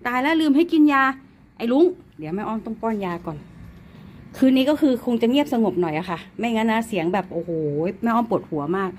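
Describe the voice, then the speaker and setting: A chatty woman vlogging at home, chattering away and cooing baby talk to her pets as she films them on a phone. Her voice sits at an ordinary middle pitch. Clear household background noise and animal sounds run under the recording. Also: expressive, quick pace, a little mellow. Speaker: pet-owner vlogger. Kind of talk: casual chat filming her pets.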